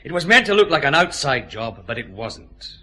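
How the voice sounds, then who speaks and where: An actor playing a firm, methodical police chief inspector, questioning a suspect in a vintage radio drama. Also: male voice, mid-range voice, big pitch swings, pushed and bright, heavily acted. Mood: stern. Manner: brisk, methodical, dry authority.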